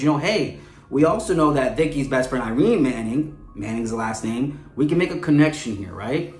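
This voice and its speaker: Male commentator, mid-pitched, conversational and chatty host delivery, recorded with noticeable room echo. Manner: chatty, often ends points with a questioning "right?". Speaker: host of a soap opera fan show. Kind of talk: conversational character analysis commentary. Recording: roomy echo with music underneath. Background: background music.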